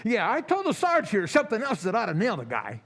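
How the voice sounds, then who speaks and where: A man's voice: sits high, huge pitch swings, fairly quick, a bit bright, full character voice. A man playing a flustered, eager working-class station attendant in an old-time radio drama, stammering and rambling in slang. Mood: earnest.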